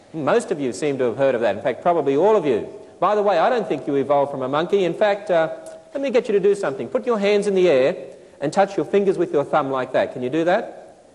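A fairly high-pitched Australian man in his thirties speaks on a lapel mic from an auditorium stage. He talks to a live audience in a playful way, teasing them and firing questions at them. His voice carries a long hall reverb. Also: darkish tone. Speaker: speaker addressing a children's audience. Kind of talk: animated lecture to a live audience. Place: large auditorium stage with potted plants.

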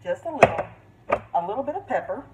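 A woman's voice: a little high, big pitch swings, quick pace, very noisy. A woman hosting a casual cook-along in her home kitchen, chatting to viewers as she mixes. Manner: chatty, addresses viewers as guys. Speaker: cooking channel host. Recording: distant voice with loud clattering dishes.

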